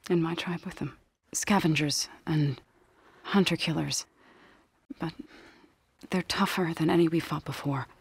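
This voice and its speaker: An actress playing a solemn, gentle tribal singer in a video game, speaking softly in measured, earnest, formal phrases. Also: female voice, sits low, steady tone, creaky, breathy edge, dry recording, heavily acted. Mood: grave, worried. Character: solemn, gentle tribal woman, grave singer of a farming people. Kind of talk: video game character dialogue.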